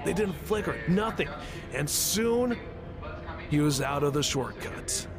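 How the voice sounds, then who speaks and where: An actor playing a casual, slangy man telling a spooky story in an audio drama, with dramatic pauses. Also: fairly high pitch, lively intonation, over music. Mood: intense, conspiratorial.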